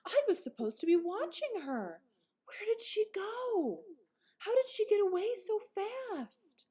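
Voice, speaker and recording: Woman voicing an anxious high-pitched boy rabbit. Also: very animated, slow, warm tone, exaggerated voice. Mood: panicked, worried. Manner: exclaiming, calling out anxiously. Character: worried young boy rabbit, anxious big brother. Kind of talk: children's storybook read-aloud.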